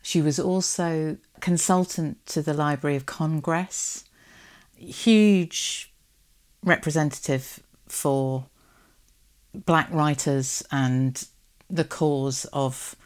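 A woman's voice: low-pitched, steady tone, slow pace, darkish tone. A woman hosting a podcast, talking conversationally and explaining things. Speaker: podcast host. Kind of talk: conversational interview and discussion.

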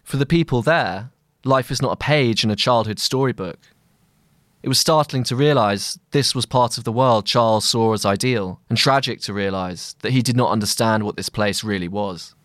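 A man narrating a scripted long-read essay as a journalist, in measured, deliberate phrasing. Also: on the low side, fairly bright tone, no echo, clean studio sound.

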